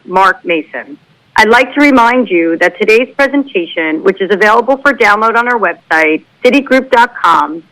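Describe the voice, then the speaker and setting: A woman's voice: medium pitch, a bit bright, low-quality recording. A woman reading a formal scripted introduction as an investor relations officer on a company earnings call. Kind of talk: scripted corporate announcement, formal.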